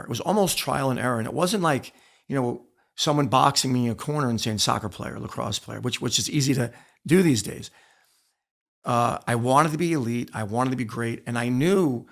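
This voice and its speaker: A man with a creaky, gravelly voice tells candid stories as an interview guest. He is emphatic and often repeats a phrase to drive it home. His pitch sits in an ordinary middle range. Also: a bit bright. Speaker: interview guest, former wrestler and coach. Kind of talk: candid storytelling in a podcast interview.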